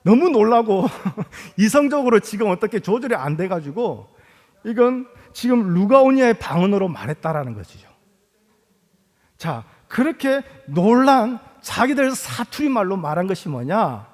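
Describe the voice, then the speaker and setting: Lively Gyeongsang-accented male pastor, reverberant hall. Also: sits high, normal speed. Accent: Gyeongsang Korean. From Gyeongsang, South Korea. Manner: animated storytelling with humor. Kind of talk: sermon. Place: church sanctuary. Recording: long reverb of a large hall.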